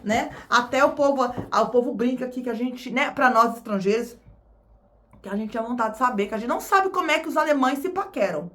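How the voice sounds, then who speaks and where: Talking casually to her viewers, this Brazilian vlogger with a Brazilian Portuguese accent tends to repeat what she says. Her voice is on the high side, a bit bright, animated and a little fast.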